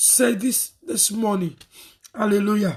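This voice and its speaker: Somewhat breathy and fairly high-pitched, a woman speaks at a moderate pace. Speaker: pastor. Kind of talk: sermon.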